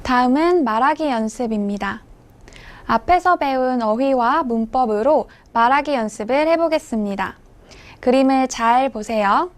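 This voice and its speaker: Woman, language teacher, high pitch, slow measured delivery, clear enunciation, scripted instructional narration.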